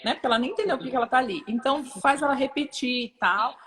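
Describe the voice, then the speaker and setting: Fast-talking woman explaining. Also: high voice, a bit bright. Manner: rapid explanatory talk, acts out parent and child voices. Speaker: guest expert. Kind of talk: casual interview chat.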